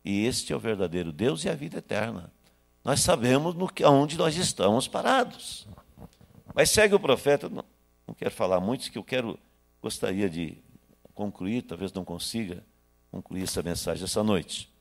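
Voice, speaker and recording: Gravelly older Brazilian preacher, lively pitch. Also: male voice, normal speed. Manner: preaching with sharp swings between loud and hushed. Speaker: pastor. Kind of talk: sermon. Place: small church hall. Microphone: handheld microphone.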